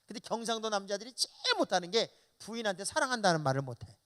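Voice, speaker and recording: Lively, high-voiced male pastor preaching. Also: fast. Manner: animated, folksy, acts out quoted dialogue. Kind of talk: revival sermon. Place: church.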